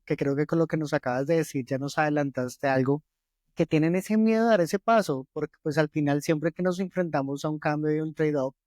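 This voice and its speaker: A man's voice: fairly high pitch, darkish tone, no room sound, studio quality. A man hosting an interview podcast, asking his guest questions courteously and formally. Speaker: podcast host.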